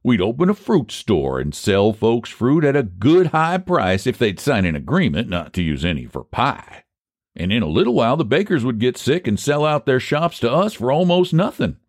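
Storybook role: male reader as a scheming country American pie baker, emphatic and persuasive, raised pitch, very animated, dry sound. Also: moderate pace, no room sound. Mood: triumphant. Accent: rural American. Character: scheming, triumphant rural American pie baker, homespun man.

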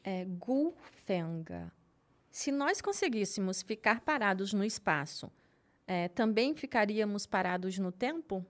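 A woman's voice: medium pitch, animated, unhurried. A woman, reading viewer names and questions aloud as co-host. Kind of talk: casual live-stream chat.

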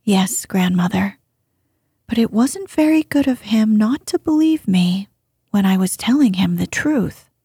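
A woman voicing an eager, earnest young princess girl in a breathy, whispered delivery. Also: mid-range voice, animated, measured pace, dark tone, no room sound, clean studio sound, exaggerated voice.

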